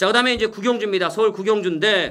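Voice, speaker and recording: Projecting his raised voice, a man talks at a fairly quick pace with a bright, sharp tone and ordinary pitch variation. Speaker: horse racing tipster. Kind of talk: solo racing tips broadcast. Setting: solo online broadcast. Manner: fast; frequent filler hesitations.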